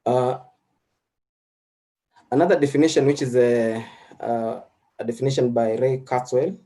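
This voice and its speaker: A man whose first language is Swahili gives a recorded lecture with slides, unhurried and full of fillers and restarts. His medium-pitched voice is warm and steady.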